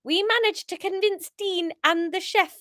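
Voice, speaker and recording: A woman's voice: very high voice, unhurried, sharp tone, dry recording, clean studio sound, pitched above the performer's own voice, full character voice. A woman voicing a taunting, sweary male gang leader from a story in an attempted Geordie accent.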